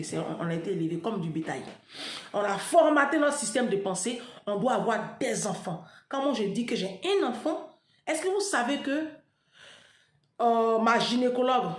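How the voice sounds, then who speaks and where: Emphatic woman in an echoey room. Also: mid-range voice. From Africa. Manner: emphatic, repetitive, rhetorical asides. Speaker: social media commentator. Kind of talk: casual monologue to followers. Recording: roomy echo.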